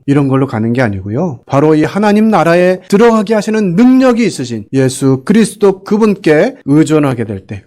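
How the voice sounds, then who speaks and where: A man's voice: mid-range voice, darkish tone. A middle-aged man preaching a teaching sermon as a pastor, earnest and asking his listeners questions. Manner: earnest, asks listeners questions, acts out quotes.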